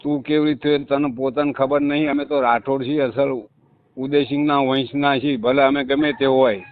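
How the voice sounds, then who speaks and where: A man's voice: mid-range voice, fairly even intonation, normal speed, a little hiss or hum. A man, a caller on a phone call, talking insistently and repeating his points with emphasis. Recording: tinny phone call recording.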